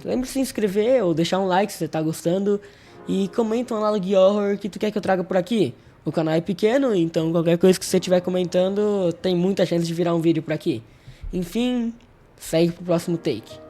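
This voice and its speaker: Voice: mid-range voice, mellow. A Brazilian host giving casual video essay commentary in an informal, conversational way, speaking directly to viewers. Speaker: host of a horror review channel.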